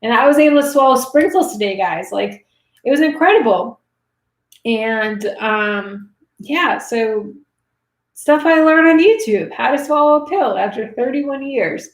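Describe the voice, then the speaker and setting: A woman in her thirties hosting a casual livestream, chatting and reading viewer comments, her voice going raspy. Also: high-pitched, animated, measured pace. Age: 30s. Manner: chatty, reads viewer comments, many fillers. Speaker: livestream host answering money questions. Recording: roomy echo.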